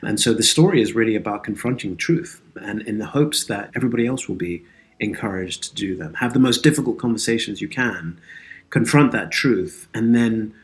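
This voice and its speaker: A man's voice: lowish voice, brisk. A man speaking as an interview guest, reflective, earnest and articulate, like an actor and writer discussing his craft. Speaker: interview guest, actor and audio drama creator.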